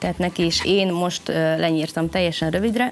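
With faint music in the background, a woman speaks at a fairly quick pace in a fairly low pitch. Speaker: guest. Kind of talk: interview answer. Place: studio.

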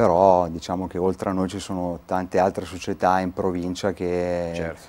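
At a moderate pace with hardly any pauses, a man speaks in a very deep, low pitch and a dark, mellow tone, his intonation monotone and flat as his loudness swings widely. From Varese province, Lombardy, northern Italy; Lombardy, Italy. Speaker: bocce club president. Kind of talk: TV studio interview. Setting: TV studio. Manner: hesitant, many fillers. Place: studio. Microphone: lapel.

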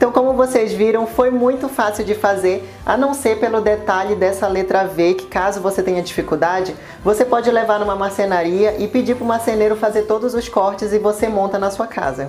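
A woman talks with ordinary pitch variation while faint music sits in the background. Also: fairly quick pace. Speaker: DIY crafts creator. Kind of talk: tutorial. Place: home room.

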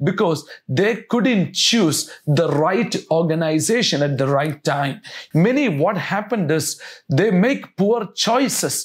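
A man talks at a very slow pace with very wide pitch swings. The background is quiet. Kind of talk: motivational address. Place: office. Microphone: lapel.

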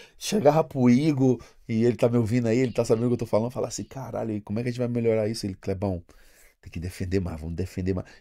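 Over a quiet background, a man talks at a very fast pace in a dark, mellow tone. His loudness swings widely, while his pitch varies in an ordinary way. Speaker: former footballer and football coach; podcast guest. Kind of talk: casual chat. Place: studio. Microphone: studio mic.

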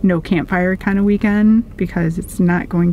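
Over light background noise, a woman speaks at a fairly slow pace with fairly even intonation and a dry sound with no echo. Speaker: RV vlogger. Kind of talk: casual vlog chat. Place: car. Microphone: phone near.

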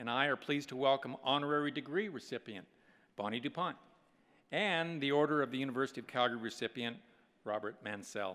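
Speaking at a very fast pace, the man shows ordinary pitch variation. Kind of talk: formal ceremonial address. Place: hall. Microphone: podium.

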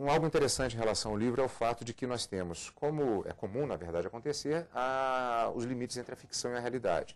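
A man's very fast delivery with hardly any pauses and ordinary pitch variation. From Brasília, Brazil. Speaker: TV literary program host. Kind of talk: interview. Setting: studio in a library. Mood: calm, measured. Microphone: lapel.

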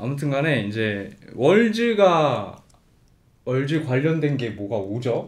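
A man talks very slowly, his pitch swinging very widely. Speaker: show host. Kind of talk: casual chat. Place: meeting room. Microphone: studio mic.

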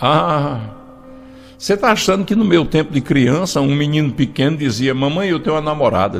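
Faint music plays in the background as a man speaks at a fairly high pitch. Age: 60s. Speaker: pastor. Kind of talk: sermon. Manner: animated. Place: studio. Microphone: studio mic.

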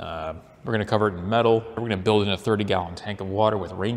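Over light background noise, a man talks at a very fast pace with fairly low pitch. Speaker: DIY builder vlogger. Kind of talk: casual vlog chat. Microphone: lapel.

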